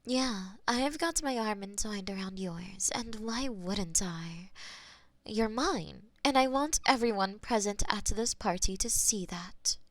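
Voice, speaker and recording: A woman voicing a possessive, taunting female demon mistress in a scripted audio roleplay, teasing and slipping into soft whispers. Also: mid-range voice, unhurried, no room sound, close to an everyday voice.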